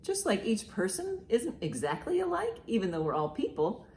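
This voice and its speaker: A woman hosting a children's storytime, reading and explaining in simple, expressive language meant for young listeners. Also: fairly high pitch, moderate pace. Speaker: children's librarian, storytime host. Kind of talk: children's storytime, reading a picture book aloud and commenting.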